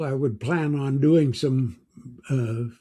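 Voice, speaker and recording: The tone is dark and mellow, somewhat breathy, with an American accent. Pitch variation is ordinary. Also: man. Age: 90s. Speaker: retired business owner, former engineer. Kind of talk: interview answer.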